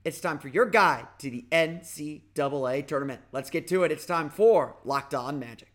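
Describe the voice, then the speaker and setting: A man hosting a casual sports podcast, talking energetically with a slightly raspy voice and frequent restarts. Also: on the high side, moderate pace. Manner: energetic, rambling with restarts and fillers. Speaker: podcast host.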